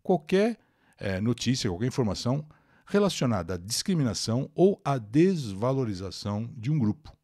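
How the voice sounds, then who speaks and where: Man, Brazilian accent, English teacher, live lesson, very animated pitch, dry close sound. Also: normal speed, no echo. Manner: explanatory, answers viewers' comments as he goes; reads English text aloud, then translates.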